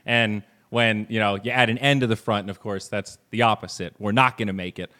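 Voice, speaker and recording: A man's voice: fairly low pitch, steady tone, a little fast, bright, forceful tone. A man hosting a casual podcast, talking in a laid-back, slangy way. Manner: laid-back, slangy, uses "dude" and "bro". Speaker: podcast host.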